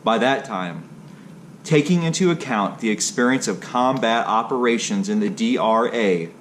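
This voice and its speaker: A man's voice: lowish voice, expressive, normal speed, slight background noise. A man narrating a history read aloud from a text, in a stilted way that is unsure on hard words.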